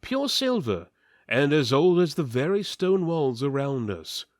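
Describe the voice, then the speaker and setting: A man voicing a scheming, secretive rogue in a fantasy story, sly and measured. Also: a little high, very animated, dry recording, clean studio sound. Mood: enticing.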